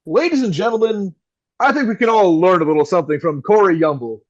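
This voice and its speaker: An actor playing a polished, wry and nervous live radio host in an audio play, with a theatrical announcer delivery. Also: male voice, sits high, expressive, quick pace, dull audio. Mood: showy announcing. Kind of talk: old-time radio play acting.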